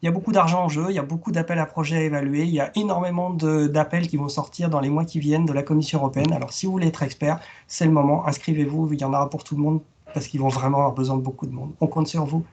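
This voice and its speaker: A man hosting a webinar, his voice a touch higher than most. He asks questions and rallies listeners in an upbeat, encouraging way, using frequent fillers. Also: steady tone, racing, hardly any pauses, darkish tone, muffled recording. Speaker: webinar moderator. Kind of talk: moderating a webinar.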